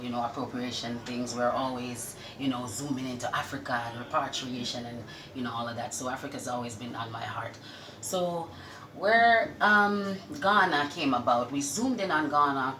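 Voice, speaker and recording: A woman's voice: extremely low pitch, normal speed. A woman telling her story casually as an interview guest, recorded in an echoey, noisy space. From Jamaica. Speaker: restaurant owner, interview guest. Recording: echoey room with loud-ish background noise.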